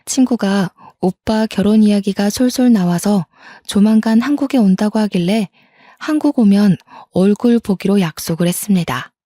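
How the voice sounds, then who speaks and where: Woman storyteller, chatty first-person retelling, mellow tone, dry close sound. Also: mid-range voice, dry recording.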